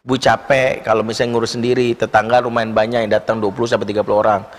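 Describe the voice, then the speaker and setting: A man's voice: lowish voice, fast talker. Man preaching in a reverberant hall. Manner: lively storytelling, acts out quoted voices. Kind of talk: sermon with told stories. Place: large mosque hall.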